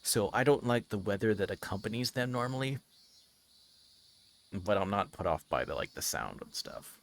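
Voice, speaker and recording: Low-voiced man streaming a game. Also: lively intonation, normal speed, vocal fry. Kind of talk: casual livestream chat and reading a visual novel aloud.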